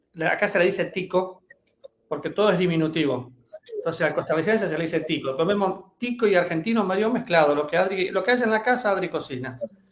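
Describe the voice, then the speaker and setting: A man with a high pitch talks at a very fast pace. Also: ordinary pitch variation. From Argentina. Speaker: missionary. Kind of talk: casual interview.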